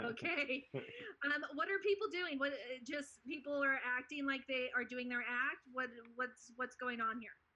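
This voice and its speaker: A woman's high voice, raised and projected, rings out in a bright, sharp tone. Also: ordinary pitch variation, moderate pace. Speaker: comedian. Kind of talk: casual chat. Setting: video call. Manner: halting.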